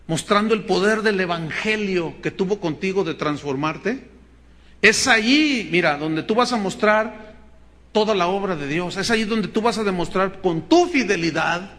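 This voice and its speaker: A man's voice: high-pitched, moderate pace, fairly bright tone. A man with a Mexican Spanish accent preaching a sermon as pastor, telling stories and acting out quotes with emphasis. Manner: storytelling with acted quotes, emphatic.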